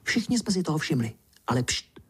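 A man voicing a timid, gossipy female tree frog in a bedtime story, talking in a hushed, breathless whisper. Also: on the high side, big pitch swings, slightly rough, voice pushed up, full character voice. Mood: secretive.

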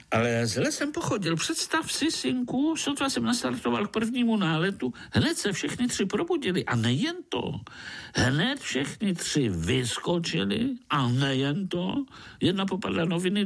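A man's voice: high-pitched, gravelly, a bit bright, slightly rough, voice pushed up, full character voice. A man doing a jovial boastful mosquito with a Slovak accent. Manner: jovial, boastful, drawn-out teasing. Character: boastful hungry male mosquito from the Danube.

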